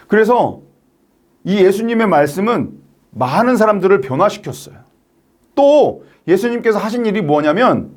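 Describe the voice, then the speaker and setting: A man preaching a sermon to teenagers, telling the story in an animated way and acting out its scenes. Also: high-pitched. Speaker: youth pastor. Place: church.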